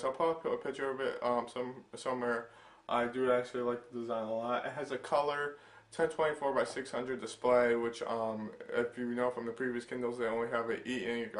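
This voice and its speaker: A man's voice: medium pitch, fairly bright tone, echoey room. Stuffy young man rambling a tech overview. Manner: rambling, filler-heavy, hesitant. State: stuffy from a cold. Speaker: tech channel host. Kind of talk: casual product overview vlog.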